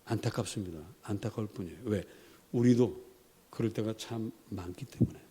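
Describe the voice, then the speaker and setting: A man's voice: fairly low pitch, a little fast, dark tone. A man preaching a sermon in a church, dramatic and emphatic, acting out quotations as he goes. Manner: dramatic, acts out quotations, rising to emphatic peaks. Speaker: pastor. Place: church sanctuary.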